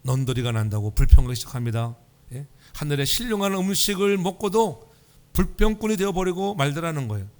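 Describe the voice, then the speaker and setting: A male pastor delivers a Sunday sermon from a church, his voice sitting a little higher than most men's. He preaches conversationally, tells stories with a light touch of humor, and keeps prompting the congregation to respond. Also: animated, a little fast, darkish tone. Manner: humorous storytelling. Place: church sanctuary.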